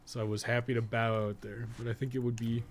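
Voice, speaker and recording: A man's voice: mid-range voice, level tone, fast talker. A man giving casual, rambling game stream commentary with a jokey, sometimes profane manner. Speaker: podcast co-host and game guide maker. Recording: clearly noisy background.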